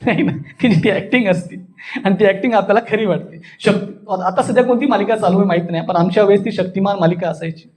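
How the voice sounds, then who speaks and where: This is a man with a strikingly high-pitched voice and a Marathi accent. He teaches like a stage performer, putting questions to his listeners and acting out what he explains. The delivery is that of an animated workshop instructor. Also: quick pace. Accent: Marathi, Maharashtra. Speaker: voice and public speaking workshop instructor. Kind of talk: animated classroom teaching with acted demonstrations.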